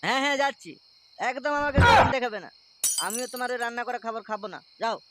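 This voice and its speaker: A woman's voice: a little high, fast, heavy background noise, close to an everyday voice. A woman voicing a blunt, bickering, boozy middle-aged husband in a comic cartoon, full of slang. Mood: grumbling, irritated. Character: grumbling pot-bellied boozy husband, middle-aged, teasing.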